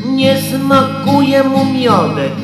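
A man voicing a kind, simple-minded teddy bear in a storybook reading, gentle and earnest. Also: very high-pitched, big pitch swings, very slow, reverberant, in a large hall, recorded from a distance, over loud music, voice pushed up, heavily acted. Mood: singing. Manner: gentle, earnest, sing-song.

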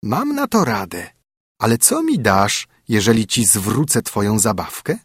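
A man voicing a pleading female frog from a well, speaking in a coaxing, drawn-out way. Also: lowish voice, very animated, a bit bright, slightly rough, dry recording, studio quality, full character voice.

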